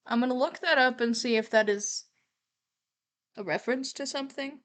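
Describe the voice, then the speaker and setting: Casting: female livestreamer, fairly high voice, candid and casual, thinks aloud while reacting. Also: normal speed, a bit bright. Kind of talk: casual reaction commentary on a horror series.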